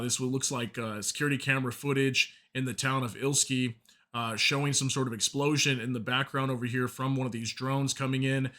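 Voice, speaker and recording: A man hosting an informal news channel briefing, a little hoarse from a sore throat, talking viewers through war updates in a casual, chatty way. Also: mid-range voice, pushed and bright. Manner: informal, addresses viewers as guys, apologizes for stumbles.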